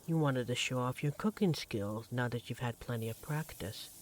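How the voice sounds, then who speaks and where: A man playing an affectionate, devoted vampire partner in a roleplay audio drama, speaking in a tender, gently teasing, conversational way. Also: medium pitch, normal speed, natural voice. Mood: teasing, amused. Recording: clearly audible background noise, sizzling kitchen effects.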